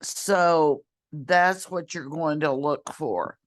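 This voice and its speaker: A woman who has lost her voice guides a student through a database in a screen-share tutorial, hoarse and whispery, clearing her throat and apologizing. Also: low-pitched. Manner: slow, halting, clears throat often, apologetic. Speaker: college librarian or instructor.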